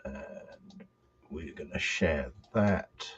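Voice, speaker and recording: Slow-talking man, dull audio. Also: a bass voice, a little hiss or hum. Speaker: livestream host. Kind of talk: casual unscripted livestream chat. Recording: dull, muffled livestream audio.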